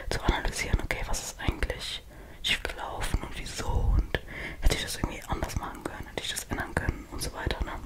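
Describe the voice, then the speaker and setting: A soft-spoken woman whispering at a fairly quick pace. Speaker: ASMR creator. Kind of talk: soft ASMR chat and affirmations. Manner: soft close-mic German whisper. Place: home room. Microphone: studio mic.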